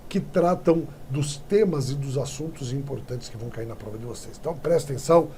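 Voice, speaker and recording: A Brazilian man teaching Portuguese in an exam-prep video lesson, talking straight to his viewers and checking in with quick tag questions. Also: medium pitch, mellow, a little hiss or hum.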